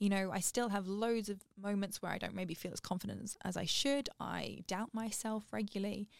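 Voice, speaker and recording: With a southern English accent, a woman talks in fairly even intonation. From southern England. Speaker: health and fitness coach, former consultant. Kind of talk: interview conversation.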